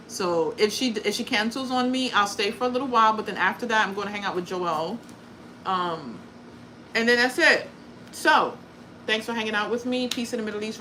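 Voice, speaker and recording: A woman's voice: mid-range voice, bright, forceful tone, a little hiss or hum, rough recording. A woman born in Guyana and raised in the US, hosting a casual crafting livestream, chatty and blunt, swearing freely and joking at her own expense. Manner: blunt and profane, chatty, self-deprecating. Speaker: crafting content creator and livestream host.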